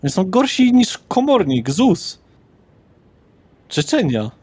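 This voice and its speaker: A man's voice: high voice, big pitch swings, slow pace, a little mellow, slightly rough, dry recording. A man running a tabletop roleplaying game, speaking in character in a blunt, slangy way with frequent swearing. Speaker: game master.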